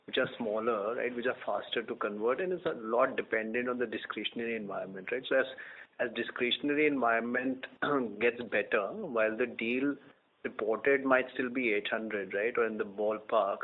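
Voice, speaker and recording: A man's voice: mid-range voice, moderate pace. Male executive on a tinny phone line. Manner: frequent "right?" tags. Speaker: company finance executive. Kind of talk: earnings call answer. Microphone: conference call line.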